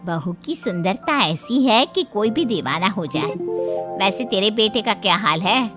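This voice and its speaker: A woman's voice: medium pitch, animated, measured pace, music in the background, lightly acted. A woman voicing a cruel, gossiping middle-aged friend in a cartoon story, sly and gloating.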